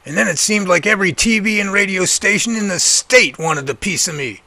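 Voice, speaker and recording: Man acting as assured professor, highish male voice, creaky and bright, emphatic explainer, audio drama. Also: a little fast, full character voice. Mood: friendly, relaxed. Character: earnest, assured male professor researching Bigfoot.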